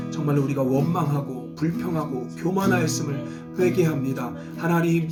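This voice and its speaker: Fervent preaching pastor over loud guitar. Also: male voice, sits high. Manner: fervent, asks the congregation questions and answers them himself; earnest, confessional prayer with repeated invocations. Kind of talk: sermon and spoken prayer. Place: small house church.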